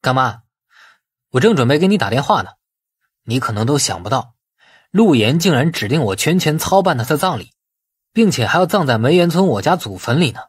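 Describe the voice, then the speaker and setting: A male narrator plays a confident, curt younger man in an audiobook drama. The voice is mid-pitched and a little husky, with animated delivery and a dry sound. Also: fairly quick, dry recording. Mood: earnest, puzzled. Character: self-assured younger man, curt and businesslike. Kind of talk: audiobook character dialogue.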